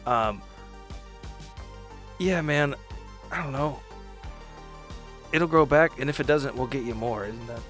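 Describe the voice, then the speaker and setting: A man playing a gruff, casual, cocky occult boss who talks in blunt, offhand slang. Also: medium pitch, slow pace, pauses often, fairly bright tone, faint music behind.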